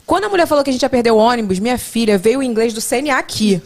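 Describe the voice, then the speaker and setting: Racing along in a fairly high voice, a young female podcast host shares lively stories during a casual conversation. Her manner is playful, full of jokes and teasing.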